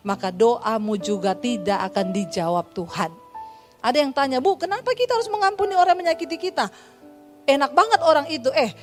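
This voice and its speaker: A woman pastor with an Indonesian accent preaching a sermon, telling stories lively and acting out the voices of the people in them with humorous asides. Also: high voice. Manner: lively storytelling, acts out dialogue, humorous asides.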